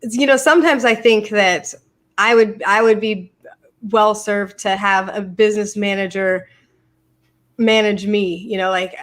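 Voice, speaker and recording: Speaking unhurriedly in a steady, mid-range voice, a middle-aged American podcast host talks warmly with her daughter during a live-stream. The chat is casual, and she tends to repeat words as each thought begins.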